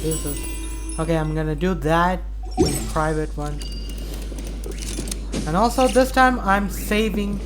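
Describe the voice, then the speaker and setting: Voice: medium pitch, unhurried, pauses often. A game streamer giving casual gameplay commentary, thinking aloud informally. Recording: loud music behind the voice. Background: game music.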